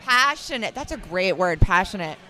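A woman talking casually on a podcast, animated and ranting with quick asides. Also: mid-range voice. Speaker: podcast guest. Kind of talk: casual chat. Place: brewery.

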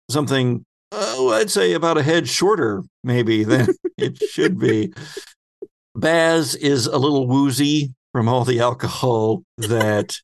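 Slow-paced man narrating as game master. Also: medium pitch. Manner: descriptive, deliberate storyteller phrasing. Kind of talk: tabletop game narration, atmospheric storytelling.

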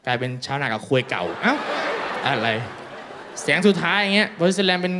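A stand-up comedian with a high, sing-song voice tells a crude, self-mocking story at a brisk pace, acting out the dialogue. He's performing for an audience at a small live venue, with background noise.

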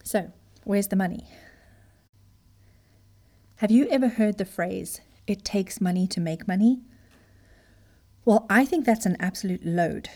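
Woman, from Zimbabwe, business coach, mellow voice, emphatic, motivational talk. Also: mid-range voice, a little slow, long pauses. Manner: earnest, emphatic, direct address.

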